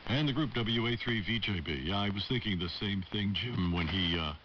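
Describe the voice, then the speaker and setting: A ham radio operator from the United States chatting casually on the air, with a measured broadcast-trained delivery. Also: male voice, on the low side. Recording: dull shortwave radio with static.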